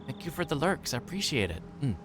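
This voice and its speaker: A man's voice: on the high side, big pitch swings, fast talker, music in the background. A man livestreaming a visual novel, reading aloud and chatting casually with viewers.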